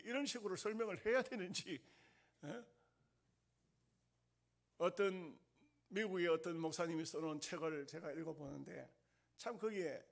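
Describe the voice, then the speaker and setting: A male pastor preaching a sermon, emphatic and repetitive, asking the congregation questions and swinging between loud bursts and soft asides. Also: a little high, vocal fry. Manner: emphatic, repeats lines, asks the congregation questions.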